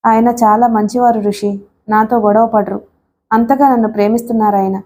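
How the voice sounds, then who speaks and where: A woman voicing a young wife who speaks quietly but firmly in an audiobook. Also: on the high side, fairly even intonation, moderate pace, natural voice. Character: young wife, calm, firm, secretive.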